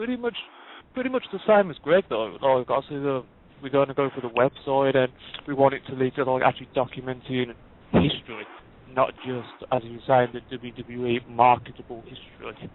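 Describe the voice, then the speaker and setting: Noticeable background noise sits behind a fairly quick voice with a British accent, ordinary pitch variation, and big swings in loudness. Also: man, medium pitch for a man. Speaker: wrestling historian, society co-founder. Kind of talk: interview, casual chat.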